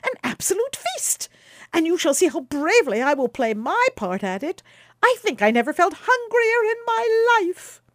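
A woman's voice: high voice, very animated, unhurried, hardly any pauses, no echo, studio quality, voice pushed up. A woman voicing a merry, playful young male traveller who exclaims with laughter in his voice.

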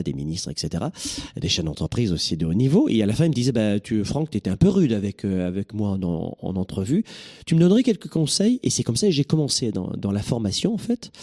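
A middle-aged man, a coach hosting his show, telling personal stories in an animated, emphatic way and often repeating words as he searches for them. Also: fairly low pitch, slightly rough, no echo, clean studio sound. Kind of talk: motivational talk with personal stories.

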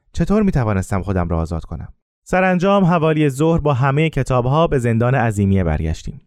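A man narrating a first-person story in a calm, measured way, with scripted narration. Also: medium pitch, dry recording, studio quality.

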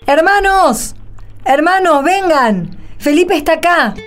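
A woman's voice: extremely high pitch, animated, slow, over music, full character voice. A woman playing a plain-spoken, kindhearted and insistent country woman in a radio play, with an Argentine accent and a direct manner. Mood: insistent, scolding. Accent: Argentine Spanish. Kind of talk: radio play dialogue acting.

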